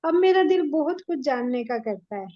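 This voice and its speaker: A woman in a devotional group answers plainly and earnestly. Her voice is high and the sound is muffled and lo-fi. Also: expressive, moderate pace. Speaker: group participant.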